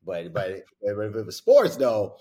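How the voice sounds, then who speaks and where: A man's voice: on the low side, measured pace. A middle-aged man chatting casually as a coach in an interview, with slangy, bro-style talk and emphatic repetition. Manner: laid-back slangy bro talk, with "dude", "bruh", "man"; animated, repeats phrases for emphasis. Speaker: college basketball coach. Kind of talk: casual podcast interview chat.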